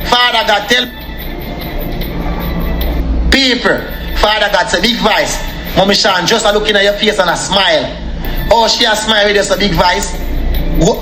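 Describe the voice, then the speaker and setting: A reverberant recording captures a young man's high voice and Jamaican accent as he rants angrily on a live stream. He's repetitive, calling out to his viewers again and again as people.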